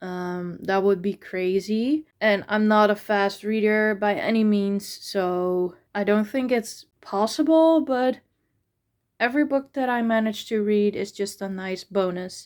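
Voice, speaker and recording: A woman with a Dutch accent, medium pitch and ordinary pitch variation, at a fairly slow pace in a very clean recording with a silent background. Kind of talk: casual video chat.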